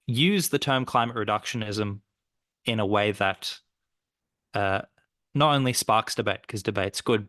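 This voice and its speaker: A man hosts a conversational interview, rambling with enthusiasm and casual fillers. His voice sits on the low side. The recording is dry, with no room echo. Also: fairly bright tone. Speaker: interviewer host.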